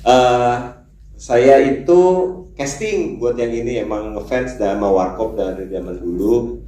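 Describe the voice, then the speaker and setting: A man who voices a cartoon character, joking and lively at a press conference. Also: medium pitch, measured pace, slight background noise. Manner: jokey, lively. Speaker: voice actor for the film. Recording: echoey hall with faint ambience.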